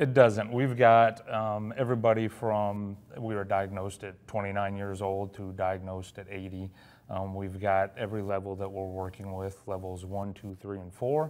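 A man with an ordinary speaking voice, fairly low pitch, fairly even intonation and a moderate pace. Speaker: fitness program coach guest. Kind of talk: interview answer. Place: studio.

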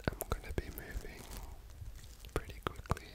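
A man whispers, soft-spoken. His pace is fairly slow. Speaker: ASMR creator. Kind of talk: soft whispered ASMR talk. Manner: soft close-mic ASMR whisper. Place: home room. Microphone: studio mic.

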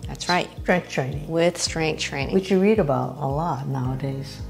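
A woman's fairly quick speech has faint music behind it. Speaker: fitness instructor. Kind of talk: tutorial. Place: home room.

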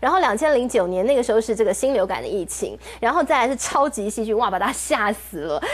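Rushing at a very fast pace with hardly any pauses, a woman speaks with a fairly high pitch and lively intonation. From Taiwan. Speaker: TV finance show host. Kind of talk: TV talk show hosting. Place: studio. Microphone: lapel.

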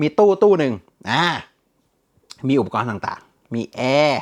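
Very wide pitch swings from a man, on a very clean recording with a silent background. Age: 20s. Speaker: YouTuber. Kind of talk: vlog narration. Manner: casual.

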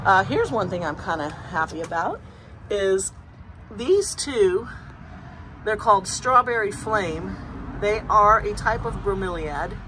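A woman at a fairly slow pace, relaxed in tone, with noticeable background noise. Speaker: plant vlogger. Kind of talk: casual garden walkthrough. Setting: outdoors in garden, filming. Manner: chatty, relaxed.

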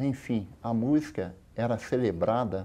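This man speaks in a dark, mellow tone with ordinary pitch variation. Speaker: guest. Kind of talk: interview answer. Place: studio.

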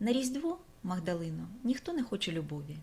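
A woman speaks in a somewhat breathy voice with a non-native accent. Her pitch swings very widely. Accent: non-native Ukrainian. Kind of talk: poetry reading.

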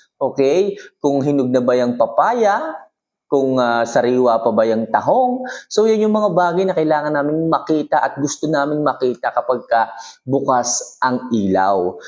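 Very wide pitch swings at a fairly slow pace, with very even loudness. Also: man, fairly high pitch for a man. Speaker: vlogger giving love advice. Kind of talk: casual monologue vlog. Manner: halting, frequent uh fillers.

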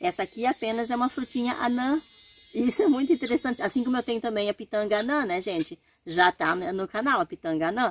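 A woman rattles along at a very fast pace, with light background noise in the recording. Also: lively intonation. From Rio Grande do Sul, Brazil. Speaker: small-farm vlogger. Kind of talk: casual vlog tutorial. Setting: outdoors. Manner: animated. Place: garden. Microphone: phone near.

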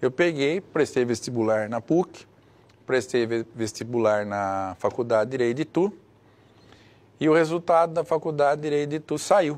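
A man's fairly high voice at a moderate pace, with lively intonation and long, frequent pauses. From Indaiatuba, São Paulo state, Brazil; São Paulo state, Brazil. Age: 60s. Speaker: lawyer and precast slab business owner; lawyer. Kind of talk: TV interview. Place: studio. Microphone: lapel.

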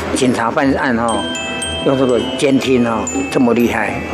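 Background music plays while a man talks. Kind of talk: interview answer.

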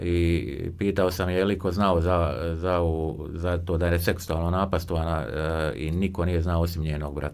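A man with a very deep, low pitch, fairly even intonation and a fairly slow pace, amid audible room echo. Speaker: radio host and interpreter. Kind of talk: consecutive interpreting of testimony. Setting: studio.

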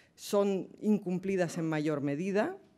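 A woman's dark, mellow voice with ordinary pitch variation. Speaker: political science professor. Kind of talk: presentation. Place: hall.

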